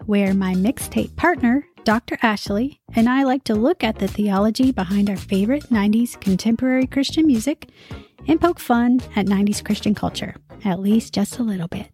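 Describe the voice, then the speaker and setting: A woman's voice: medium pitch, normal speed, warm tone. A woman in her thirties hosting a Christian music podcast, talking in an upbeat, conversational way with light humor. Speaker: podcast host.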